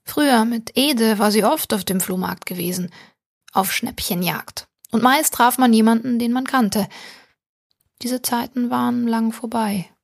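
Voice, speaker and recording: A woman reading a short story aloud as an audiobook narrator, calm and even, close to the mic. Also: fairly high pitch, a little slow, gravelly, dry recording. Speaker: audiobook reader. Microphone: close studio mic.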